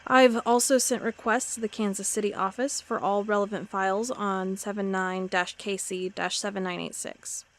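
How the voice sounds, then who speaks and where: An actress playing an uneasy, dogged FBI agent dictating case notes in an audio drama, halting and conversational. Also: female voice, medium pitch, fairly even intonation, close to an everyday voice. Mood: businesslike, uneasy. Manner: halting, conversational, self-correcting. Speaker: FBI records agent character. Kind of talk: audio drama monologue, spoken like a recorded log.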